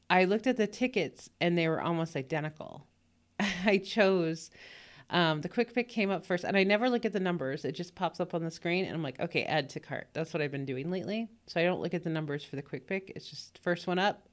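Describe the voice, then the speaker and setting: A woman, telling a story in casual podcast chat with lots of fillers and laughs. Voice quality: low voice, morning voice. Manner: rambling, frequent fillers and laughs. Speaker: podcast host. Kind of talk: casual spoken anecdote.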